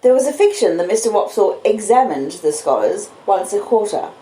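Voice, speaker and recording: Recorded on simple laptop and phone mics in an echoey room, an Australian woman reads storybook literature and chats casually live. Her voice is mid-range and dark in tone, with big swings in pitch, and her unhurried delivery feels cosy. She works as a podcaster and audiobook reader.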